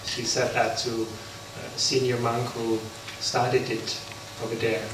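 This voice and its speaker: A man from the Netherlands, a Buddhist monk, giving an unprepared talk at an interfaith forum, halting with many pauses. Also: mid-range voice, completely flat delivery. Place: large hall. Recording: echoey hall from far off, background noise.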